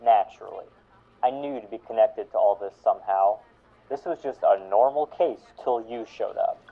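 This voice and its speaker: Man playing a gruff cop, tinny phone-like sound. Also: lowish voice, normal speed. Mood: irritated, bitter. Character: gruff, embittered police officer newly in charge, Smith. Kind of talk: amateur radio drama acting. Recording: thin phone-like sound, music behind.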